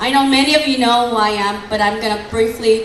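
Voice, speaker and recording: Amid noticeable background noise and audible room echo, a woman with a fairly high pitch talks at a moderate pace with fairly even intonation. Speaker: congressional candidate. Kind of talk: campaign speech. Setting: meet and greet with audience.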